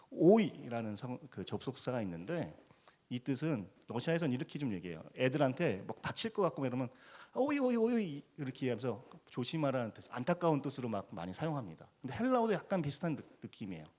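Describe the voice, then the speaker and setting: A man's voice: mid-range voice, a little mellow. A man preaching a sermon as a missionary in a church, earnest, acting out quoted cries with rising emphasis. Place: church sanctuary.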